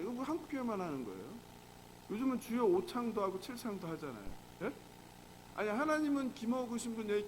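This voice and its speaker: Male pastor, high and animated, chatty sermon full of questions to the room, faint noise under it. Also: low-quality recording. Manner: conversational, asks the congregation rhetorical questions. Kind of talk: early morning prayer sermon.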